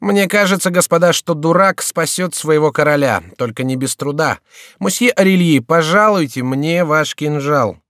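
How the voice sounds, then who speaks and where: A man's voice: a little high, fairly bright tone, no room sound, studio quality, voice pushed up, lightly acted. A man voicing a sly, mocking male court jester in a storybook reading. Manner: sarcastic, quick-witted.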